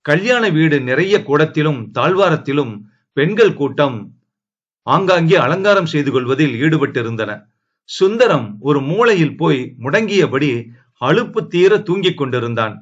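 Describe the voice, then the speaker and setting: A man reading a family novel aloud in a steady, measured storytelling voice. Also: on the high side. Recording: dull lo-fi audio.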